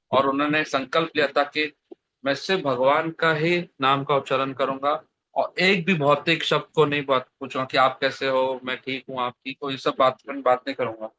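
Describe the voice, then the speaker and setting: A man's voice: mid-range voice, bright, forceful tone, slight background noise. A man giving a devotional scripture sermon over an online video call, telling stories and asking his listeners questions. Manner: storytelling, asks the audience questions. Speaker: scripture speaker. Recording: dry, slightly dull online call audio.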